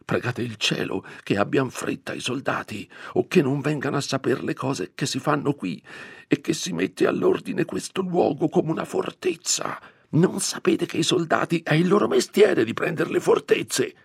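A jittery old country priest, as a man puts him on in an audiobook reading, scolding in a hushed, urgent way. His voice climbs high and sharp above the reader's deep, husky tone, in a dry, close sound. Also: sing-song, normal speed, dry recording, heavily acted. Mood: alarmed scolding. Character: fearful, irritable old male country priest.

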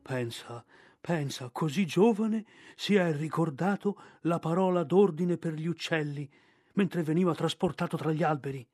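A man voicing a heavy, kindly old male bear with a low, gruff, soft-spoken voice. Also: normal speed, dry recording, clean studio sound. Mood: proud.

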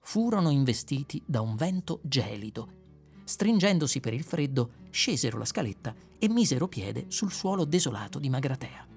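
Expressive male audiobook narrator. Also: medium pitch, normal speed, vocal fry, soft background music. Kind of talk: scripted narration.

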